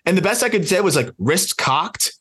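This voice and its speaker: A man's voice: sits high, expressive, moderate pace, fairly bright tone, husky. A man co-hosting a podcast, talking animatedly in casual chat, often laughing and restarting his sentences. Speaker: podcast co-host, prospect analyst.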